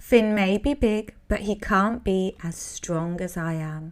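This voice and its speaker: In a very clean recording with a silent background, a woman puts on a gruff, growling character voice at a medium pitch and a fairly slow pace. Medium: read story.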